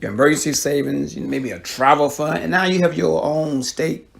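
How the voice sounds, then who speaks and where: A man's voice: a little high, normal speed, gravelly. A middle-aged man, a father, asking his son leading questions in a casual family chat.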